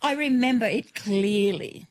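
An Australian woman in her sixties speaks as a radio guest at a middle pitch. She recalls her childhood in a storytelling way, piling up vivid lists of details and restarting now and then. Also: lively intonation, unhurried, darkish tone. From New South Wales, Australia. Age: 60s. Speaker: author and guest. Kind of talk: radio interview.

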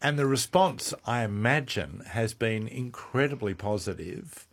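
A man's voice: mid-range voice, animated, a little slow, a bit bright. A man co-hosting the interview, steering the conversation in a friendly way and introducing the guests. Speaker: co-host.

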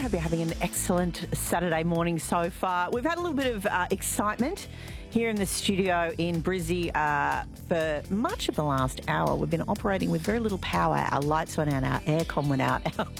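A woman's voice: lowish voice, animated, moderate pace, gravelly, over music. A woman with an Australian accent presenting a live weekend radio show from a studio, chatty and bubbly.

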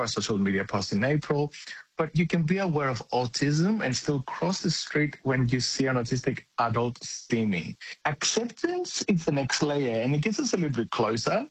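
A man's voice: mid-range voice, husky, dry recording, poor audio. A middle-aged man from Greece, giving blunt, earnest interview answers with occasional restarts. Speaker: interview guest.

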